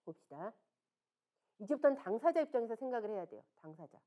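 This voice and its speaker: Lively, high-voiced woman giving a talk. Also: fast, lo-fi sound. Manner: emphatic, asks the audience rhetorical questions; frank, conversational storytelling. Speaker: author and seminar speaker. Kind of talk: seminar lecture.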